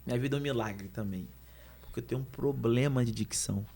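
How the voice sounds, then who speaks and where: A man with a Brazilian Portuguese accent, a guest preacher telling his story fast, with stumbling restarts. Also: medium pitch, darkish tone, slightly rough. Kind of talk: animated storytelling in conversation.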